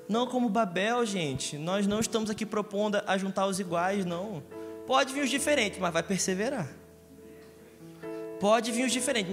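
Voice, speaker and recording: A man preaches a Sunday sermon, joking often and asking the congregation questions. His voice sits high for a man. It carries a long church reverb, and music plays behind it. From Rio de Janeiro, Brazil. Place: church hall.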